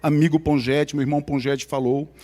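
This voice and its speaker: A guest speaker from São Luís, Maranhão, gives his personal testimony to a church congregation in Maranhão Brazilian Portuguese, telling it conversationally and addressing the audience directly. His voice is a little high and brisk with flat delivery, over background noise.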